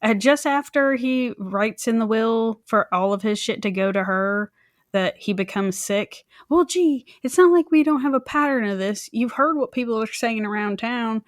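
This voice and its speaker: A woman's voice: on the high side, normal speed, dry recording, clean studio sound. A woman co-hosting a true crime podcast, chatting casually and jokingly, with little asides in acted voices. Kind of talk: casual banter about a crime case.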